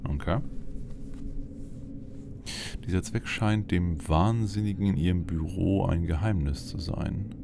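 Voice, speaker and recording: A man's voice: low voice, measured pace, vocal fry, long pauses, noisy background. A man giving casual, musing game commentary as a let's play host, with bits of role-play. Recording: loud game music behind voice. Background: game music.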